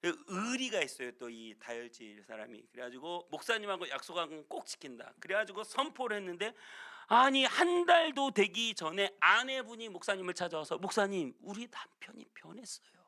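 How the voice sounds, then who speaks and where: A male pastor preaching a sermon, telling a story with lively delivery and acting out the people he quotes. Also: sits high. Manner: animated storytelling, acts out quotes. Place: church sanctuary.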